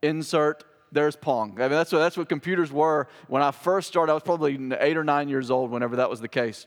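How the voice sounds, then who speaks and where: Racing at a very fast pace with hardly any pauses, a man with fairly high pitch and ordinary pitch variation is heard in a dry, close sound with no echo. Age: 30s. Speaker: pastor. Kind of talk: sermon. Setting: church. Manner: conversational.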